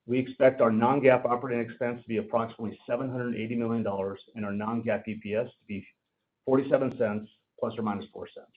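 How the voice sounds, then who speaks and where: Man, narrow tinny phone line, finance executive, formal scripted corporate remarks, measured. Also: medium pitch, steady tone. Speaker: company finance executive on an earnings call. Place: conference call line.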